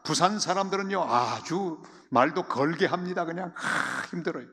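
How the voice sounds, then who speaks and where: A man's voice: normal speed, vocal fry. Fervent man preaching in a reverberant church. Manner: fervent preaching, swinging from low asides to loud exhortation. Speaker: pastor. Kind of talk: sermon. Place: church sanctuary. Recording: long church-hall reverb.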